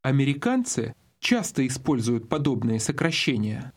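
A man narrating a scripted language course, giving slow, deliberate instructions. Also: medium pitch, very animated, slightly rough.

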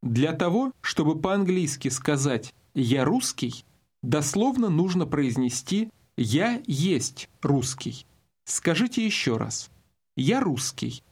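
A man narrating a scripted language course, giving slow, deliberate instructions. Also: fairly high pitch, sing-song, darkish tone, husky.

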